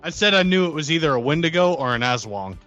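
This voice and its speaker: A man's voice: a little high, animated, fast, a bit bright, dull audio, faint music behind. A man playing a tabletop role-playing game, talking casually with blunt, joking remarks. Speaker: podcast player.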